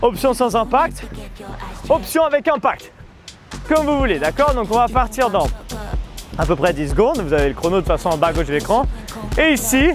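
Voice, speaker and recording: Someone speaks at a fairly quick pace in a dry sound with no echo, with clear music in the background. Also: man. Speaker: fitness coach. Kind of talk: workout instruction. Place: garden.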